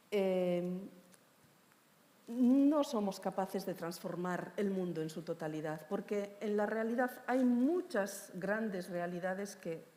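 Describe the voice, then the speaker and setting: A woman with a lowish voice speaks slowly and thoughtfully at a panel, filling pauses with soft hesitations. Her voice rings with the long reverb of a large hall. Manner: measured, hesitant with many fillers. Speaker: poet on a panel. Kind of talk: panel discussion.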